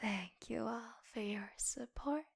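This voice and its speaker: A woman speaking quietly in a half-whisper, reading out in a soft ASMR style as a content creator. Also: fairly high pitch, slow pace, creaky, husky. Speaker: content creator thanking patrons. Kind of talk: soft-spoken ASMR name read-out.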